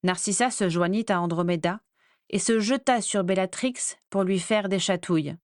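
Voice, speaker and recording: A woman's voice: mid-range voice, normal speed, no echo. Woman narrating a fantasy audiobook, dry. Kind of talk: scripted narration.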